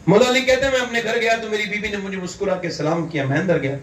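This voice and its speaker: A man from India preaching an impassioned sermon, fervent and building to loud emphatic peaks. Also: high voice, animated, slight background noise. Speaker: Islamic preacher. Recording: echoey hall, distant mic, faint ambience.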